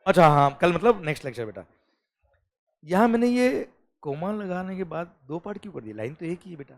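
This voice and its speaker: A male teacher gives a lecture with a slightly higher pitch than most men. He coaxes his students, keeps checking that they follow, and slows to a careful word-by-word pace when he reads legal text. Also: vocal fry. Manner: animated, coaxing, mixes English phrases, calls students beta.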